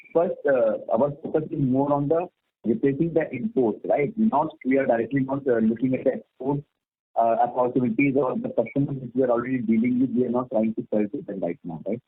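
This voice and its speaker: A man with an Indian accent asks questions on a business conference call in a deferential, probing way. His voice is husky and mid-pitched. It comes through a narrowband phone line with little room sound. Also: expressive, brisk, no room sound. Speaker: analyst questioning company management on an earnings call.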